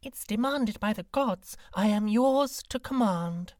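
An eager, devoted green snake girl from a storybook tale, as a man puts her on, high and effusive. Her gushing sounds dry and close. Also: unhurried, darkish tone, no echo.

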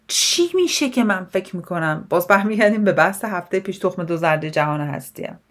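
Lively Persian woman coach talking. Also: on the low side. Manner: animated, direct, asks rhetorical questions and mixes in English words. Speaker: life coach. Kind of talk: solo advice podcast monologue.

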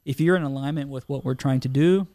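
A man guesting on a podcast as a filmmaker, chatting in an animated, self-deprecating way. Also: medium pitch, fast, no room sound, clean studio sound. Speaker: film director guest. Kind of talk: casual chat.

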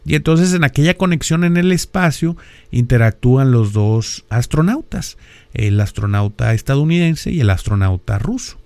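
A middle-aged Mexican man with a northern accent talks through a podcast topic like a lecturer, pausing on rhetorical questions. His voice sits at an ordinary middle pitch and is recorded close and dry, with no room sound around it. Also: animated, darkish tone, no room sound. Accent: Mexican (northern, Monterrey). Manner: lecturing, peppered with rhetorical questions and tag "¿verdad?". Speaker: podcast host. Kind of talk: explanatory podcast monologue.

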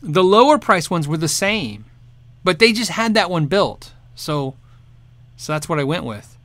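A man's voice: fairly high pitch, animated, measured pace, a bit bright, dry recording. A man hosting a guitar show, chatting casually and answering viewer questions, rambling and restarting sentences and laughing often. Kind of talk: casual live chat.

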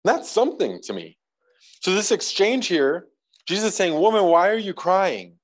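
A man's voice: high-pitched, big pitch swings, moderate pace, low-quality recording. A man preaching a casual, conversational sermon to a congregation, reading scripture aloud and adding light jokes. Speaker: pastor.

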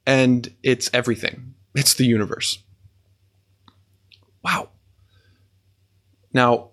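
A man's voice: medium pitch, fairly bright tone. A man hosting a faith podcast, reading listener comments and responding with earnest, awed exclamations. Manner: earnest, exclaims in awe and wonder. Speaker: podcast host.

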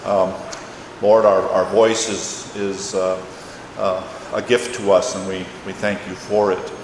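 A man's voice: low-pitched, flat delivery, takes it slowly. Older male pastor in an echoey church. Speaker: retired pastor. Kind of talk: prayer and sermon reading. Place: church, during a service. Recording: echoey hall, long reverb, faint noise.

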